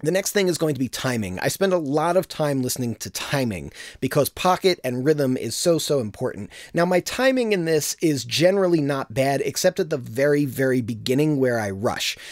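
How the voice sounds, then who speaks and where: Slightly gravelly man explaining vocal production. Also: mid-range voice, moderate pace, few pauses, dry recording, clean studio sound. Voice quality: a bit of gravel in the voice. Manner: relaxed, self-deprecating explainer. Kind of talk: casual tutorial. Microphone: studio microphone.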